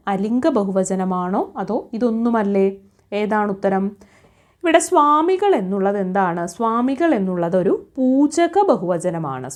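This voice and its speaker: A woman's voice: mid-range voice, darkish tone. A woman teaching an exam quiz lesson, reading out each question and its options, then repeating the answer with rhetorical questions. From Kerala.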